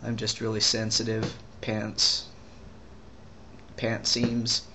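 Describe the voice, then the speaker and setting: A young trans man talking casually in a video diary, rambling and halting with many restarts and fillers. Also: on the low side, monotone, background noise. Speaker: vlogger.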